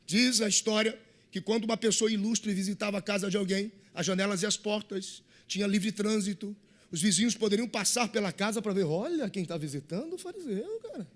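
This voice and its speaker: Male pastor with a Brazilian accent and a very high voice, preaching a sermon with loud bursts and soft asides. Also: a little fast. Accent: Brazilian Portuguese. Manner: animated, swings from hushed to shouting; informal, slangy asides to the congregation.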